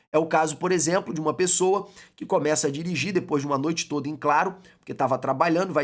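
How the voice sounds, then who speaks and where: A fairly high-pitched male voice with ordinary pitch variation. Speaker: law exam prep teacher. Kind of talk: online lecture. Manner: fast; casual, conversational.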